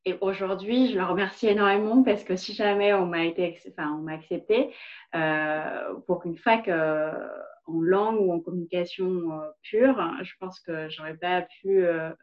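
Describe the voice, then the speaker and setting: Hesitant Vietnamese-accented woman, low voice. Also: moderate pace. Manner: hesitant, many fillers and restarts. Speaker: guest. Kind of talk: personal story in a podcast interview. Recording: dull lo-fi recording.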